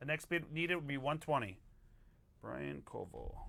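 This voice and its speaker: A loud man speaks at a fairly quick pace with a bright, sharp tone. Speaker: autograph signing show host. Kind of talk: live stream sales chat. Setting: studio.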